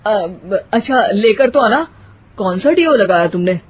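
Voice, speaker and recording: A woman's voice: medium pitch, lively intonation, a little slow, breathy edge. A woman playing an exasperated, scolding mother-in-law. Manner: scolding, exclaiming. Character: middle-aged mother-in-law, bossy but exasperated. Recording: tinny phone-like audio.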